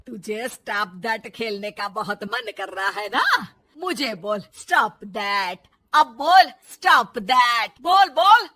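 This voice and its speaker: A woman voicing a bossy, sharp-tongued middle-aged mother-in-law in a cartoon, scolding and taunting. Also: mid-range voice, a little slow, hardly any pauses, slightly rough. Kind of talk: cartoon voice acting.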